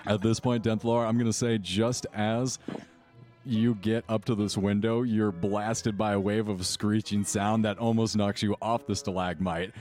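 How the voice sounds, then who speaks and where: A man running a tabletop game as game master, improvising narration in an excitable, playful way. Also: lowish voice, measured pace, soft background music.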